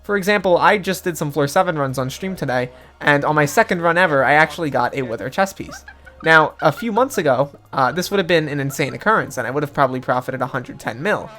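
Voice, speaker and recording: A man who makes gaming videos, talking in a chatty, casual way that swings quickly into excited disbelief. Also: a little high, faint music behind. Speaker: gaming YouTuber.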